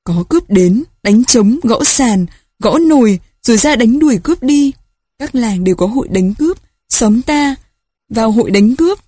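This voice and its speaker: A woman voicing an old village man who loudly rallies his neighbors, in a storybook reading. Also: on the high side, expressive, moderate pace, slightly rough, no room sound, studio quality. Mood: rousing. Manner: rousing, declamatory.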